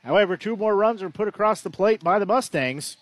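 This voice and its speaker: A male play-by-play baseball announcer with a slightly higher voice, recorded close and dry. He talks in a loose, conversational way and keeps correcting himself as he calls the action. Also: lively intonation, brisk, dry recording. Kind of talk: baseball commentary.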